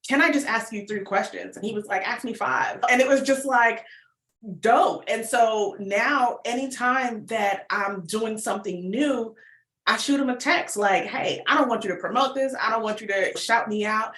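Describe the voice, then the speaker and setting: A woman with a bright, forward voice talks as an interview guest in casual, slangy language. Her delivery is animated and informal, and the recording has a noticeable room echo. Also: a little high, moderate pace. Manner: animated, informal, peppers talk with slang and acted-out quotes. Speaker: podcast guest, writer and producer of audio fiction.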